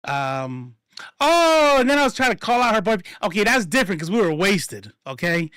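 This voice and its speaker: A man telling stories in casual chat, profane and animated, acting out what people said. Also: high-pitched, moderate pace, clear, resonant tone, no echo, studio quality. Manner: profane, animated, acts out quotes.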